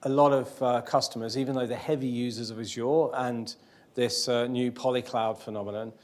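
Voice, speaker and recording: A man's voice: mid-range voice, level tone, a little fast. A man organising a tech meetup who introduces the speaker, hesitant and self-deprecating, with many fillers. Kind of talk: event introduction. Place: meetup venue, live audience.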